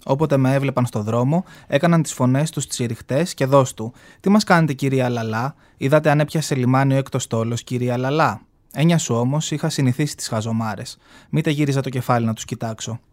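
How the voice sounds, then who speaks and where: A man's voice: medium pitch, a little mellow, close to an everyday voice. A flamboyant aging gay man tells his life story with sass and mockery, as a man reads him from a novel. He sounds proud and brash. The reading is heard from a radio studio. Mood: sassy. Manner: sassy, mocking, storytelling.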